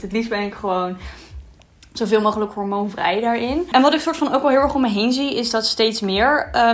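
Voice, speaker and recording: A woman in her twenties chatting casually in a vlog as she eats, at times talking with her mouth full. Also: mid-range voice. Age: 20s. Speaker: vlogger. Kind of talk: casual girl talk mukbang vlog. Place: small bright room indoors, seated at a table.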